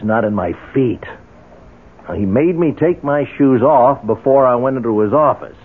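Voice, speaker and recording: An actor playing a shrewd, confident, dryly amused investigator in a 1970s radio drama. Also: male voice, medium pitch, breathy edge. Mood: wry, determined. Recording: muffled phone-like 1970s radio recording.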